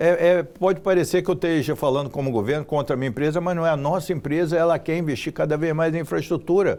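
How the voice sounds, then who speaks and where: A man talks at a very fast pace with a Brazilian accent. His pitch is fairly high, with ordinary pitch variation. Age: 60s. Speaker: shipping industry executive. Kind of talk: interview.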